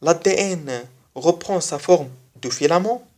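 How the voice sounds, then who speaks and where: A speaker whose first language is not French, giving a biology lesson online and repeating key phrases slowly for emphasis. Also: mid-range voice, darkish tone. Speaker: biology video teacher.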